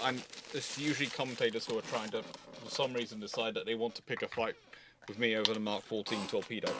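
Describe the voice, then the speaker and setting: A man's voice: mid-range voice, noisy background. A man hosting a casual history discussion, rambling and often repeating words as he goes. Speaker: live stream host.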